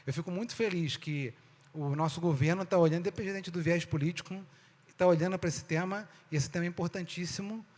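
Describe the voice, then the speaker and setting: A man's voice: sits high, fairly quick, a little mellow. A Brazilian man with a slightly raised voice speaks on stage to an audience, his words ringing through a hall with a long reverb. He keeps it conversational, calls the crowd "gente" and keeps asking rhetorical questions. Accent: Brazilian Portuguese. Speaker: speaker giving a talk.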